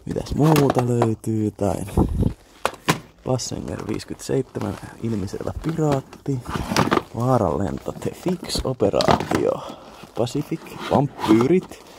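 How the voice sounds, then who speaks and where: A man's voice: mid-range voice, sing-song, creaky, heavy background noise. A young man with a Finnish accent, muttering casual commentary to himself while browsing an indoor flea market, with half-whispered asides and offhand swearing.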